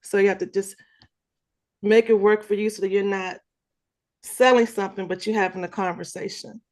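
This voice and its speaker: A woman's voice: mid-range voice, moderate pace. Giggly woman sharing tips on a call. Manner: giggly, relaxed, rambling advice. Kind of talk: casual video call chat.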